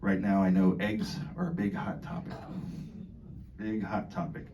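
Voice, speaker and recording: A man on the dining staff giving an informal talk to residents, halting, with many fillers and restarts. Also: on the low side, sing-song, dull audio. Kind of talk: informal speech to an audience. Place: community hall. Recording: far from the mic, faint background noise.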